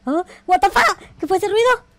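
A man playing a naive, panicky noob game character in excited, repetitive roleplay commentary. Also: very high voice, normal speed, no room sound, full character voice. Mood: startled, confused. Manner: frantic, repetitive, exclamatory. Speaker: gaming video creator. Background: faint music.

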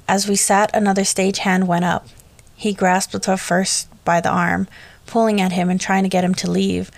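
A woman narrating a scripted horror story in a steady, measured way. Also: mid-range voice, vocal fry, no room sound.

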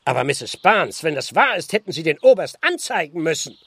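High-pitched, brusque police constable. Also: male voice, very animated, fairly quick, vocal fry, sharp tone, slightly rough, dry recording, exaggerated voice. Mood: pressing. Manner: officious, brusque questioning. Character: stern, impatient village police constable, male. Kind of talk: German radio play acting.

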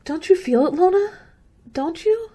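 A young woman playing a frightened, pleading college girl in a suspense radio play, with halting, repetitive delivery. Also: extremely high pitch, lively intonation, mellow. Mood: uneasy, fearful. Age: young adult. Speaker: radio drama actor.

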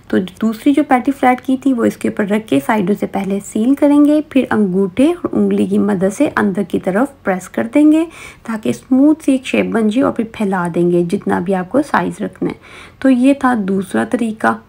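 A woman's voice: a little high, gravelly, darkish tone, breathy edge. A woman giving a conversational, step-by-step recipe voice-over, talking directly to viewers. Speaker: cooking show host.

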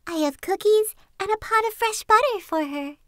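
A woman's voice: very high voice, expressive, moderate pace, no room sound, studio quality, voice pushed up. A woman voicing an innocent little girl in a red hood, eager and childlike, in a bedtime storybook reading. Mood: cheerful.

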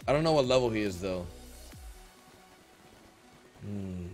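A man's voice: on the low side, a little slow. A young man streaming a multiplayer survival game, joking and calling out to his teammates. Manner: joking, excitable, chanting repeated phrases. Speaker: gameplay streamer. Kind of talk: casual multiplayer game chat. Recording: faint background music.

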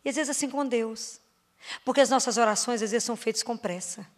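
In a church or parish hall, a woman preaches to a prayer group with a Brazilian Portuguese accent. Stressed words come out slowly, key phrases drop into a hushed, low register, and she keeps putting questions to her listeners.

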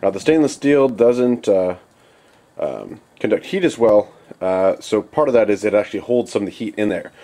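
Low-voiced man demoing camp cooking. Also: moderate pace. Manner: relaxed, rambling, lots of fillers. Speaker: outdoor cooking demonstrator. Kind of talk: casual how-to demonstration. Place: outdoors at night, by a small camp stove.

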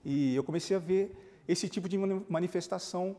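A man's voice: high voice, fairly quick, long reverb tail. A man, a pastor, telling his testimony in a TV interview, acting out quoted dialogue as he goes. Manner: animated storytelling, acts out quoted dialogue.

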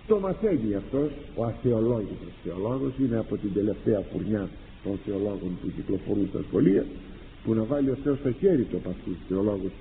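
A man, a priest and confessor, delivering a sermon with animated rhetorical questions and acted-out exchanges. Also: on the low side, gravelly, a little hiss or hum. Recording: tinny lo-fi archive recording in a reverberant hall.

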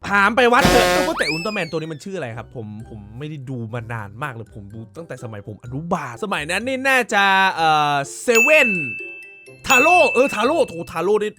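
A man's voice: a little high, huge pitch swings, brisk, loud music behind the voice. A male host casually reacting to viral clips, exclaiming often, swearing freely and laughing along.

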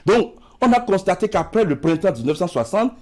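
Lively African-accented man in a studio. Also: high voice, a little fast. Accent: West African French. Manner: gestures widely, many repeated words and hesitations. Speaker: studio guest, emigration expert. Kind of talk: morning TV studio interview. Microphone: lapel mic.

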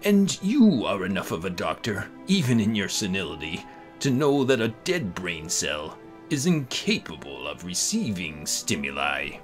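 A man playing an elderly, skeptical bachelor who speaks formally and with measured emphasis in a horror story. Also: deep voice, very animated, faint music behind. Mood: firm, exasperated.

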